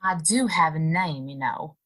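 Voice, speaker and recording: Plain-spoken young frontier barmaid, female actor, slow and crisp-edged, guarded, skeptical radio-play delivery. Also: low voice, fairly bright tone. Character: wary, plain-spoken young saloon serving girl. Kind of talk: audio play acting.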